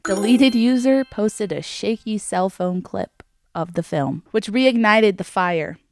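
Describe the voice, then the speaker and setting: A woman's voice: medium pitch, smooth, no room sound, studio quality. A woman hosting a video, telling a film's story casually with wry, dramatic emphasis. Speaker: video host. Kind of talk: casual film commentary and storytelling.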